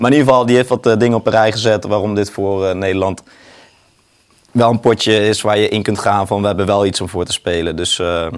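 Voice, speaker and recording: An ordinary speaking voice moves at a fairly quick pace. The intonation is fairly even. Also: man, fairly low pitch for a man. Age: 30s. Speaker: football journalist. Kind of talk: casual chat.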